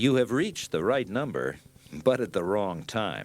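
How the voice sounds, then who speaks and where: A man at medium pitch with vocal fry speaks at a moderate pace, his pitch swinging very widely, on a very clean recording with a silent background. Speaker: voice actor. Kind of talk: answering machine greeting read.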